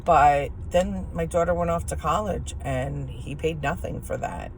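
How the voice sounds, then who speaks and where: Hoarse woman talking slowly while driving. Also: sits low, rough recording. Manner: rambling, frank, easily irritated. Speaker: vlogger. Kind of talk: casual chat while driving. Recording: car road noise behind.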